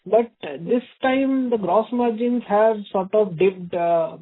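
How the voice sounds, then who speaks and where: A male analyst with a high-pitched voice asks detailed questions. He is heard through a narrow, phone-like line during an earnings call. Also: takes it slowly. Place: telephone conference call.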